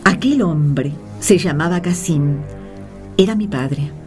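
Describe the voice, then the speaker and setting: A woman's voice: fairly low pitch, animated, slow pace, a little mellow, faint music behind. A woman playing a grown daughter who narrates grim memories solemnly in a radio play. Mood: solemn, vivid. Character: caravan leader's grown child recounting grim memories. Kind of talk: dramatic first-person narration in a radio play.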